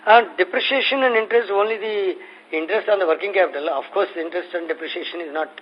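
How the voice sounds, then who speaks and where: Indian-accented man, higher-pitched, on muffled line. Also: fast talker. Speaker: company executive answering investor questions. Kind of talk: earnings call answers. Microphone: conference call phone. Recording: muffled conference phone line with noise.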